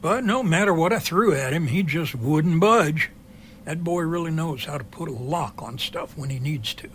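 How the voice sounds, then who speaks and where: Easygoing, nosy middle-aged pilot male actor, slightly high voice, wry chatter, faint noise behind. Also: animated, normal speed, fairly bright tone. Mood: curious. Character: easygoing, curious older helicopter pilot. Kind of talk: amateur audio drama dialogue.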